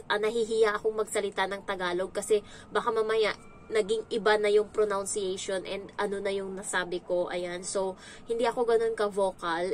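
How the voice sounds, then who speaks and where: A young woman talks casually to her camera, telling stories with lively imitations. Her voice sits at a middle pitch for a woman. A faint steady room noise runs underneath. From Visayas, Philippines. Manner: chatty, animated storytelling with imitations. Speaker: domestic helper vlogger.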